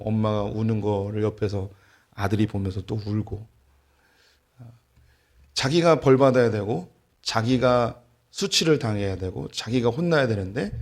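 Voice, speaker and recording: In a church sanctuary, a middle-aged pastor with a lowish voice preaches a sermon. He shares a family story with gentle humor and plain warmth, then moves into the gospel message.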